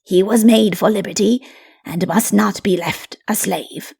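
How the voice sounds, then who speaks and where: Solemn old father figure read by a woman, fantasy audiobook: patient, assured, mellow and gravelly. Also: mid-range voice. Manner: grave, measured, assured pronouncements.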